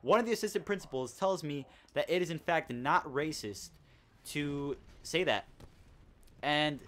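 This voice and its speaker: In this casual gaming commentary chat, a teenage host rambles through a story with indignant, chatty energy. His voice is somewhat high and a bit bright, and he speaks a little slowly.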